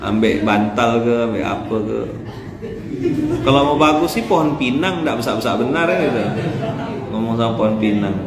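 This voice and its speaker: A male preacher with a Pontianak Malay accent, giving a joking, animated sermon and acting out voices of husbands and fathers. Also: medium pitch, moderate pace, roomy sound. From Indonesia. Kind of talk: lively sermon.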